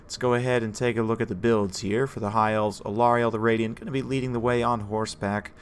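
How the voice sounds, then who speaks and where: A man with a cold and a hoarse voice, casually commenting on a strategy game as host, chatty with many fillers. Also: on the low side, fast, a little hiss or hum. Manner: chatty, relaxed, frequent "uh" fillers and laughs.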